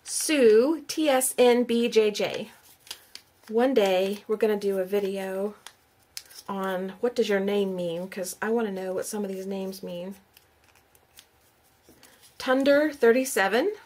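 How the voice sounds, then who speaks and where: A woman's voice: mid-range voice, takes it slowly, long pauses, darkish tone. A middle-aged woman, chatting casually on camera as she hosts a giveaway, sounding out names aloud and asking viewers questions. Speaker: YouTube crafter hosting a giveaway. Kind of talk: casual on-camera vlog chat.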